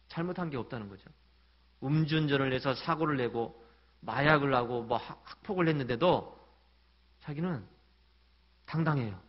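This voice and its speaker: Brief: male pastor, mid-pitched voice, casual storytelling sermon, dull lo-fi church recording. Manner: conversational storytelling with light humor. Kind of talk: Sunday sermon. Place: church sanctuary.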